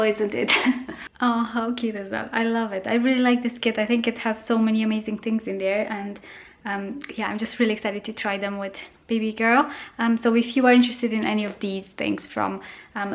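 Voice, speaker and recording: A young woman vlogs her routine in a bright, slightly high voice. She gushes warmly over small things and fills her pauses with casual "um"s. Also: creaky, roomy sound. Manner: chatty, gushing, many fillers. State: pregnant. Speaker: vlogger. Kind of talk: casual vlog chat.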